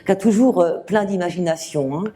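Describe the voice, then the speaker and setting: A woman medium giving a live reading to an audience, speaking gently with many fillers and restarts. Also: on the low side, brisk. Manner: gentle, reassuring address to the sitter.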